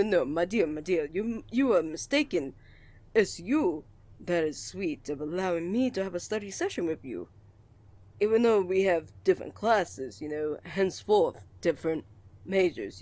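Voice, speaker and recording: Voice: mid-range voice, darkish tone, no room sound, natural voice. A voice actor playing a shy, flustered male college student in love, stammering, earnest and courteous, in a romantic ASMR roleplay. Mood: bashful, tender. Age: young adult.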